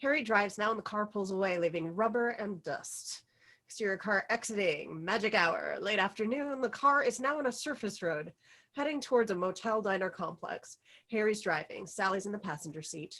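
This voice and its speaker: A woman's voice: medium pitch, animated, moderate pace, fairly bright tone. A woman narrating stage directions in an informal script table read.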